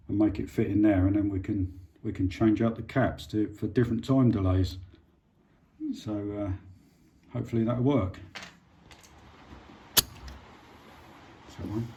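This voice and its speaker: Thinking aloud as he works, a British hobbyist walks through an electronics repair in a relaxed, hands-on way, somewhat hesitant and informal. He speaks with a fairly low pitch and a dark tone.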